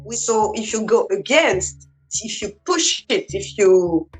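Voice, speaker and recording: A woman's voice: mid-range voice, animated, a little slow, soft background music, poor audio. A woman with a French accent, a holistic practitioner explaining spiritual ideas earnestly in English while searching for words. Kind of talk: spiritual teaching conversation.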